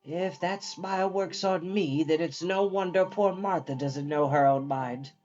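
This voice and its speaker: A storyteller voicing a grumpy old woman from a fantasy storybook, grumbling with drawn-out, emphatic sarcasm. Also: mid-range voice, a little mellow, dull audio, close to an everyday voice.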